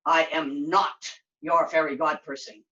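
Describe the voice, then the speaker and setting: A woman voicing a grumpy forest monster in a puppet show, blunt and gruff, talking in broken grammar. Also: sits low, level tone, a little slow, bright, forceful tone, lo-fi sound, voice pushed down. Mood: exasperated. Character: grumpy forest monster, blunt, easily exasperated, secretly kind.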